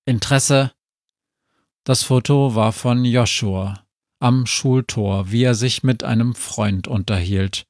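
A man narrating a children's story in a calm, measured reading. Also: medium pitch, no room sound, clean studio sound. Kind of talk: audiobook reading.

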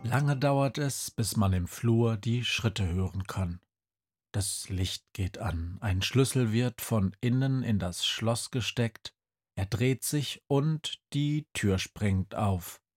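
A narrator telling a children's story in a calm, measured way. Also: mid-range voice.

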